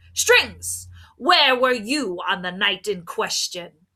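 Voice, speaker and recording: A woman's put-on character voice at medium pitch and a very slow pace. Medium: read story. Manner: pompous, theatrical.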